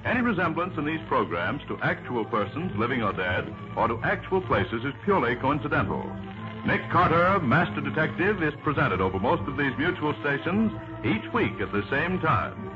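Old-time american radio announcer guy, very animated pitch, music behind, muffled recording. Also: normal speed. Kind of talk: 1940s radio announcing, scripted.

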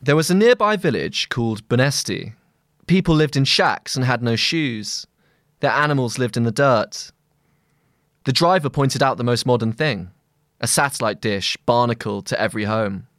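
A man with a mid-range voice reads a long-form journalistic essay. His phrasing is measured and deliberate, as scripted narration. The sound is dry, with little trace of the room. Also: mid-range voice, lively intonation, a bit bright, no echo. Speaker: journalist narrating own long-read article.

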